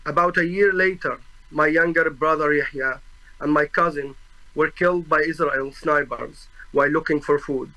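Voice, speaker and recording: A man in his twenties from Gaza, a native Arabic speaker with an Arabic accent, gives formal testimony before a tribunal. He speaks solemnly and earnestly, halting often to search for words and restarting his phrases. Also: on the high side, steady tone, pushed and bright, rough recording. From Gaza, Palestine. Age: 20s.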